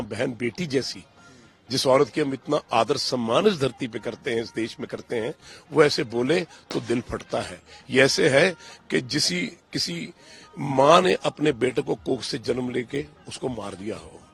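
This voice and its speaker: An older man, answering interview questions with emphatic, indignant passion, booming at times and dropping low at others. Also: unhurried, vocal fry, breathy edge, faint music behind. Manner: emphatic, indignant, swings between loud outbursts and low, pained tones. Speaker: interviewee, father of a cricketer.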